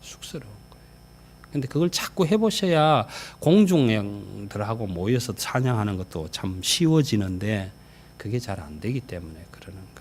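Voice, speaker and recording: A male senior pastor preaching a sermon in a church, talking straight to the congregation and swinging from loud exclamations to near whispers. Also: lowish voice, expressive, normal speed, slight background noise. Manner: conversational, addressing the congregation directly. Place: church sanctuary.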